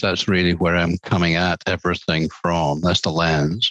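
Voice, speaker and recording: A man with a Scottish accent, bright and sharp in tone, at a moderate pace, in a dry, close sound with no echo. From Scotland. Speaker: professor. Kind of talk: interview conversation.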